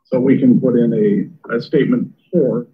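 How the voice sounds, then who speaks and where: A man, a chief presenting to a council, explaining step by step with some halting, heard over thin phone-like audio. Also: medium pitch, fairly even intonation, slightly rough. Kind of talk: meeting discussion.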